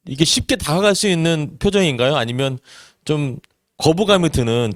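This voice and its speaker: Earnest forties male presenter, animated delivery, dry recording. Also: medium pitch, no room sound. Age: 40s. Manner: earnest, rhetorical questions, many "eo" fillers. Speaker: network marketing business presenter. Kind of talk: seminar talk to an audience.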